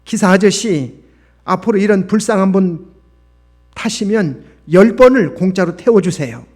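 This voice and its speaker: A man voicing a bold young schoolgirl who scolds a bus driver in a high, insistent voice. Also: lively intonation, slow, fairly bright tone, full character voice. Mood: indignant.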